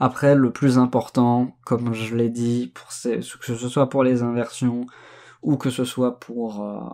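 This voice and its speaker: Speaking very slowly at medium pitch, a man uses monotone, flat intonation in a dark, mellow, calm tone. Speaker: YouTuber. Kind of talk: casual vlog monologue. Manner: halting, many fillers and repetitions. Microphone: new better recording gear.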